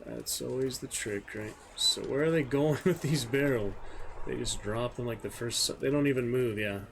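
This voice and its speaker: A man giving casual, low-key gameplay commentary, musing to himself over game sounds. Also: normal speed. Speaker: gamer commentating own gameplay. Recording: clear game noise behind voice. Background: video game sounds.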